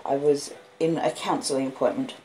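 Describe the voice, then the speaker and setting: A woman's voice: extremely low pitch, fairly even intonation, moderate pace, dark tone, a little hiss or hum, low-quality recording. A woman in her fifties with an Australian accent, chatting casually and reading aloud at home in a homely, chatty way. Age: 50s. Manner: chatty, breaks off to talk to pet dogs. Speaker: host reading a classic novel aloud to listeners. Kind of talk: casual homely chat and audiobook-style reading. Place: at home indoors with dogs.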